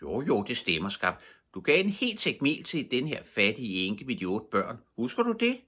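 A man's voice: mid-range voice, wildly swooping pitch, sharp tone, slightly rough, pitched above the performer's own voice, exaggerated voice. A man voicing a sly, giggling old robber in a storybook reading. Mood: teasing.

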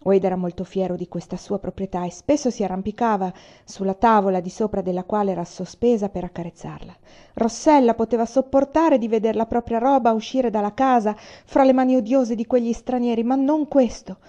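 A woman narrating a novel aloud in a steady, expressive reading style. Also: a little high, brisk. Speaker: audiobook reader.

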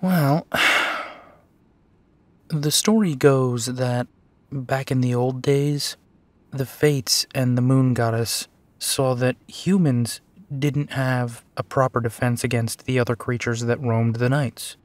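A man acts out a tender, weary werewolf detective in an intimate audio drama. He speaks slowly and softly in halting phrases, at a middling male pitch. The recording is dry and close, and he sounds protective. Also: steady tone, no room sound, close to an everyday voice. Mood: reflective, wistful. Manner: soft, halting, sighing delivery. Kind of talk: intimate scripted audio roleplay.

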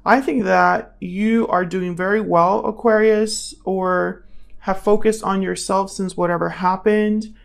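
A woman giving a casual tarot reading, thinking aloud and speaking straight to the listener in a conversational way, with gravelly vocal fry. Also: mid-range voice, fairly even intonation, unhurried. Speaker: tarot reader, channel host.

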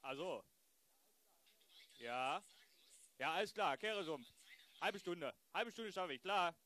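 A man's voice: on the high side, expressive, slow, sharp tone, exaggerated voice. A man playing a grumbling, colloquial, exasperated haulage driver in an improvised audio drama. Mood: grudging. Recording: faint background noise, ambience.

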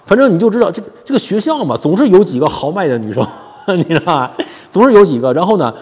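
A man's voice: sits high, fast talker, husky. A man hosting a casual commentary monologue, joking, laughing often and stumbling over repeated words, on a lapel mic. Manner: animated and joking, frequent laughter and stammered repeats. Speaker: commentary channel host. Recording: long hall reverb.

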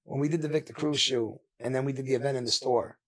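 A man in his thirties from India, a podcast guest telling his story in a candid, animated way with quick laughs, speaking into a studio mic. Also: mid-range voice. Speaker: podcast guest, sneaker store owner. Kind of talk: casual interview chat. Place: sneaker-lined studio, indoors. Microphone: mounted podcast mic with headphones.

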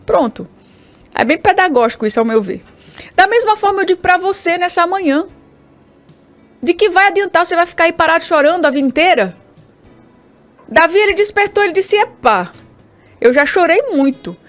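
Woman, Brazilian Portuguese accent, high voice, fervent radio preacher, faint music underneath. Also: brisk, long pauses. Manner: fervent, exhorting, addresses the listener directly. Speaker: preacher on a radio morning program. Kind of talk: radio sermon.

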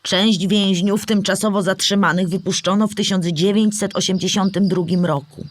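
An actress plays a patient female storyteller in a children's audio play. She explains things in a clear, measured way, as scripted narration for young listeners. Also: medium pitch, steady tone, natural voice. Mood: explanatory, patient.

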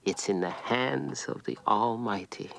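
A man's voice: lowish voice, unhurried, vocal fry, a bit bright, a little hiss or hum, rough recording. A man narrating a scripted first-person story about his childhood.

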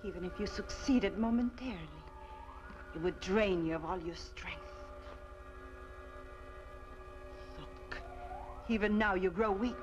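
A woman's voice: medium pitch, normal speed, lo-fi sound, lightly acted. An actress playing an evil alien queen, commanding and menacing in declamatory 1950s B-movie style. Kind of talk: 1950s science fiction B-movie acting. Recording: old film soundtrack with music.

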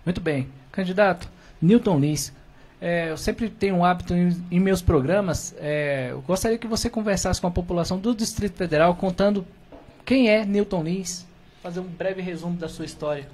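A man hosts an interview show from a small TV studio and holds a handheld mic. His voice sits fairly high and carries a slight husky edge. He asks formal questions and nods along with short affirmations. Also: normal speed, darkish tone. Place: small TV studio with virtual set.

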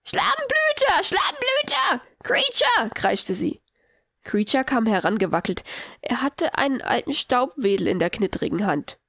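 A woman narrating a fan fiction audiobook in a lively storytelling manner. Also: medium pitch, moderate pace, no echo, clean studio sound. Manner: lively storytelling, reads all parts. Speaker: audiobook reader.

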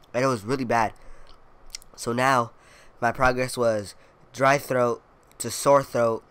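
A young man records gameplay commentary while clearly congested and coughing now and then. He rambles through his week in a loose, filler-heavy way, throwing in playful brags. Under the stuffiness his mid-pitched voice stays smooth. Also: steady tone, takes it slowly, pauses often, pushed and bright. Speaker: gaming video creator. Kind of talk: casual commentary over gameplay.

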